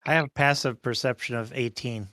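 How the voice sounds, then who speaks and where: A man's voice: mid-range voice, fairly even intonation, moderate pace, bright, forceful tone, no room sound, studio quality. A man chatting casually as a player in a tabletop game. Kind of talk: casual chat.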